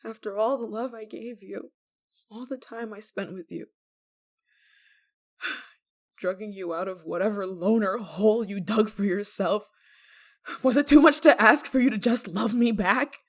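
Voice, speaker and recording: A woman acting an obsessive, guilt-ridden lover in an ASMR roleplay monologue, with halting, pleading, stammering delivery. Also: medium pitch, natural voice. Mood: bitter, sorrowful.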